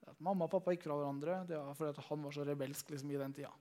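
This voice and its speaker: A man's voice: fairly high pitch, fairly even intonation, warm tone. A young man telling a Christian testimony, chatty and full of fillers. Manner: storytelling, conversational with many fillers. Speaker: Christian youth leader giving testimony.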